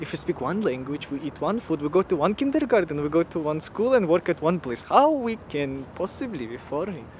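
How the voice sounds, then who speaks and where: With hardly any pauses, a man talks at a fairly quick pace in a high voice. His pitch swings very widely, and there is noticeable background noise. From Kyrgyzstan. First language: Russian and Kyrgyz. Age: 20s. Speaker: anthropology student. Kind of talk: conversational interview. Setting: outdoors in a city square.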